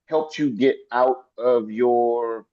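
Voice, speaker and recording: A man hosting a sales coaching video call, energetic and hyping people up with repeated phrases. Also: medium pitch, takes it slowly, dull audio. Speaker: sales coach and meeting host.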